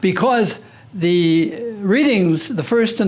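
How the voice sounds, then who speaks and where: This man talks at a very slow pace with lively intonation. Room echo is audible. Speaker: Jesuit priest giving homily. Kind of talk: sermon.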